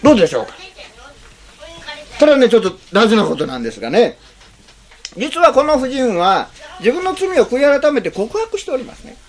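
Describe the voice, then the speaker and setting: Lively conversational preacher with a swooping voice. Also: medium pitch, a little fast, long pauses. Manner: conversational, poses rhetorical questions to the congregation; acts out short spoken lines in changing tones. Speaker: pastor. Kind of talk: sermon.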